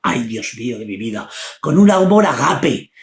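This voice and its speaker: A man preaching fervently, often shouting his exclamations. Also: mid-range voice, sing-song, normal speed, roomy sound. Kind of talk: impassioned preaching.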